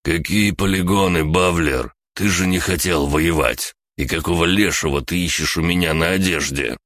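A man's voice: deep voice, moderate pace, fairly bright tone, no echo, studio quality. A man voicing a blunt, grumbling old male hermit who scolds and snaps. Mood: exasperated.

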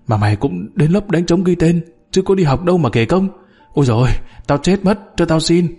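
A man's voice: a little high, expressive, brisk, mellow, breathy edge, pitched above the performer's own voice. A man voicing a dying, greedy old official who wheezes, begs and curses. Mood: begging. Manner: wheezing, pleading, cursing.

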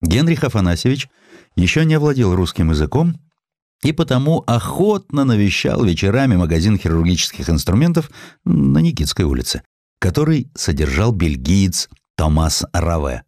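A man reading a historical story as an audiobook narrator, in an expressive, measured, literary storytelling style. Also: fairly low pitch, no echo, studio quality. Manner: expressive, measured storytelling with distinct character lines.

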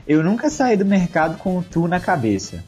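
A young man with a Brazilian accent co-hosting a casual podcast chat, telling stories in an animated way and acting out the people in them. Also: sits high, moderate pace, music in the background. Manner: animated storytelling, acts out voices in anecdotes. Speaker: podcast co-host.

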